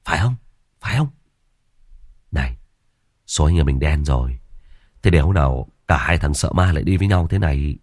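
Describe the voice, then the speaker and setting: A man's voice: very deep voice, animated, moderate pace, pauses often, a little mellow, no echo, studio quality. A man voicing a frightened young man on night patrol, stammering with fear in a ghost story. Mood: scared.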